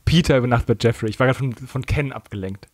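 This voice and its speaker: A man's voice: mid-range voice, fast talker, no room sound, clean studio sound. A man co-hosting a podcast in casual, conversational chat. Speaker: podcast co-host.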